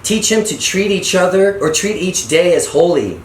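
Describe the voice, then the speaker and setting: A man's voice: high voice, lively intonation, moderate pace. A middle-aged man reading a self-help book aloud as a father to his son, with encouraging asides and some stumbled, repeated lines. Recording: echoey room with background noise.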